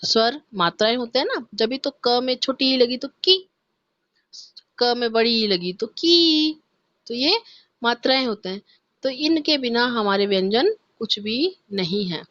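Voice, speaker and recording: A woman teaches Sanskrit to young children in an online class, pronouncing each syllable slowly and patiently. Her voice comes through dry and slightly dull, like a lo-fi recording. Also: a little high, animated, a bit bright, no echo. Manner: slow, patient, spells out syllables for young pupils.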